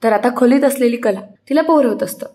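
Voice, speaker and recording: A woman tells the events of a TV serial episode in casual, chatty narration. She links quotes with the same repeated lead-in. Her voice sits a little high. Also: brisk, warm tone. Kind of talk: casual story recap narration.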